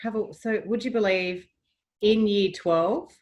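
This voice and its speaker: An Australian podcast guest in her forties recalls her early years in casual, cheerful conversation, chatty and reminiscent. Her voice is medium-pitched with a darkish tone, at a measured pace.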